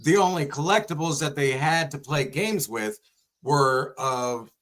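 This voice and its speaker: A man's voice: on the high side, animated, unhurried, fairly bright tone. A man co-hosting a talk show, chatting and telling stories casually. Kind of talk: casual chat and storytelling.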